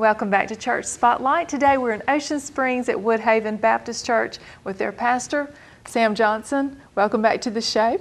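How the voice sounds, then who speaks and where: A woman talks at a moderate pace in a plain, everyday voice. Her pitch is fairly high, with ordinary pitch variation. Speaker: TV show host. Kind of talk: interview for a church TV show. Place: church.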